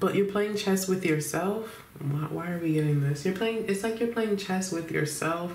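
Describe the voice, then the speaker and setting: A woman's fairly low voice at a fairly slow pace, with ordinary pitch variation, audible room echo and light background noise. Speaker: tarot reader. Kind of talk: tarot reading commentary. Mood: calm, reflective, occasional laughs. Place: home room.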